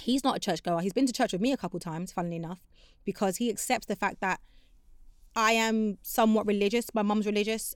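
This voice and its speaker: The woman speaks at medium pitch with ordinary pitch variation. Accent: London. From London, England (Ghanaian family). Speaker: podcast guest, friend of host. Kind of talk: casual chat. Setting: remote call.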